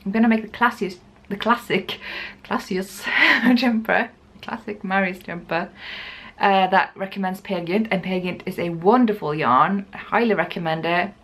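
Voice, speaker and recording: Creaky-voiced woman chatting casually. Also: mid-range voice, normal speed. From Norway. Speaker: knitting podcast host. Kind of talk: casual chat to camera.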